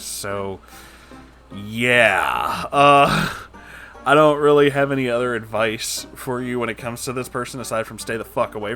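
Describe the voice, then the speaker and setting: A man's voice: mid-range voice, a bit bright. A man hosting in a casual, rambling, informal style, chatting to viewers with joking asides and some swearing. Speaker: host reading and reacting to stories.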